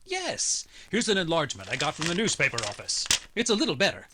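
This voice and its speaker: Desperate wealthy noir client, male actor: highish, forceful, animated, insistent radio-drama delivery. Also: fast, noisy background. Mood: eager, excited. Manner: insistent, pleading, emphatic. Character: desperate, lovesick self-made rich male client.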